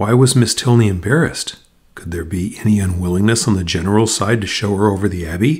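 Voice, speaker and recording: A man with an unremarkable speaking voice talks at a fairly low pitch with ordinary variation. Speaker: lecturer on literature. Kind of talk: lecture, with stretches of literary audiobook reading aloud. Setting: recorded video lecture. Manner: measured, even and formal, clear reading pace like an audiobook narrator; expository, teacherly, explaining each point step by step.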